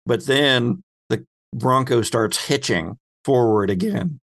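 A host and game master improvises a story aloud, keeping it conversational while stopping to search for words. His mid-range voice has a fairly bright tone.

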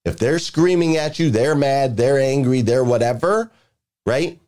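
A middle-aged man delivers a motivational talk on leadership. He speaks with energy and emphatic repetition, drilling his points home. He slips into lively storytelling to make them stick. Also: mid-range voice, measured pace. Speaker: podcast guest speaker, leadership coach.

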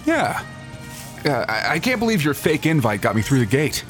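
Cocky male adventurer, played by an actor, highish lively voice, glib wisecracks, audio drama with prominent music underneath. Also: moderate pace. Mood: joking. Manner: glib, bantering.

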